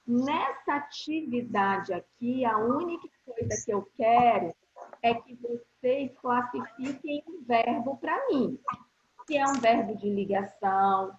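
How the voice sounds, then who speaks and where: A woman teacher with a Brazilian Portuguese accent, explaining grammar to schoolchildren in an online class, speaking slowly and deliberately and often checking whether they follow. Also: on the high side, expressive, slight background noise. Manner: slow, deliberate explaining with frequent check-in questions. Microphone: video call. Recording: roomy, slightly dull video-call audio.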